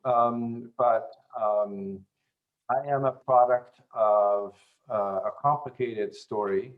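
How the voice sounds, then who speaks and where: A low-pitched man from German-speaking Europe talks slowly, pausing often on fillers and restarting his sentences. His voice comes through a dull, lo-fi recording. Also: fairly even intonation. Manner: unhurried, many fillers and restarts. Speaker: guest. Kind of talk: casual interview chat.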